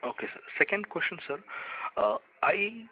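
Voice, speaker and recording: A man's voice: high voice, big pitch swings, moderate pace, a little hiss or hum. A man calls into a conference call, his voice squeezed thin through a tinny phone line that keeps breaking up. He asks long, winding questions and adds a polite "sir" again and again. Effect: muffled conference-call phone line. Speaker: analyst asking questions on an earnings call. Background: background disturbance on the line.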